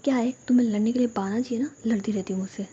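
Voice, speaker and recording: A woman's voice: fairly high pitch, fairly even intonation, racing, warm tone, dull audio, a little hiss or hum, natural voice. A woman voicing a playful young woman in love, with a dramatic, sulky way of talking.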